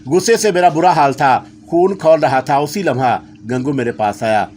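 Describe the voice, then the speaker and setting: A man's voice: a little high, normal speed, darkish tone, a little hiss or hum. A man telling a first-person horror story in a dramatic, scripted narration style.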